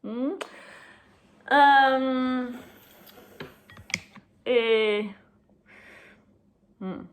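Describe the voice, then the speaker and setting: A young woman with a German accent speaks slowly in halting beginner sentences, with frequent pauses, fillers and self-corrections, and laughs often. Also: high-pitched, clean tone. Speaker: language learner. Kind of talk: unscripted video message to her boyfriend.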